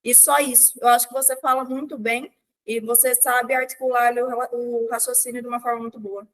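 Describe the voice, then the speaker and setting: A woman with a Brazilian Portuguese accent acting as examiner in a mock oral exam, putting questions formally and dictating them in a measured, deliberate way. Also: on the high side, flat delivery.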